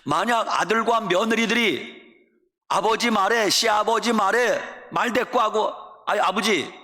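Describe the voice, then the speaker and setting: A man's voice: sits high, a little slow, bright, forceful tone. A male pastor preaching a sermon, telling a story animatedly and asking the congregation questions. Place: church sanctuary. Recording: echoey church hall.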